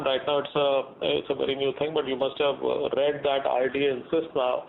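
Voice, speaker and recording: A man's voice: medium pitch, vocal fry. A man with an Indian accent explaining business matters as a company executive on an earnings call. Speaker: company executive answering investor questions. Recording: muffled phone-like conference line with faint noise.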